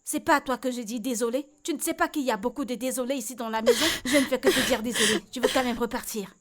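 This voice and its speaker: In a French film dub, a woman voices Vicky, an outspoken and caring friend looking after a beaten woman, who speaks bluntly and keeps repeating herself. Her voice is fairly high and fairly bright, close to how she'd normally talk, and she speaks quickly.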